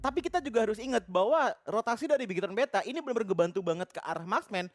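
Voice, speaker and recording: A man's voice: sits high, animated, racing. An Indonesian man giving analytical live esports commentary as a caster, explaining in a colloquial way.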